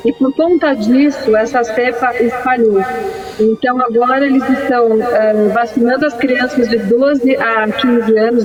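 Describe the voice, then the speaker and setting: A woman's voice: fairly high pitch, lo-fi sound. A woman from São Paulo with a São Paulo accent, a correspondent explaining things steadily in an interview, with small restarts. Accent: São Paulo Brazilian Portuguese. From São Paulo, Brazil. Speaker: correspondent guest. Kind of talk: interview answers.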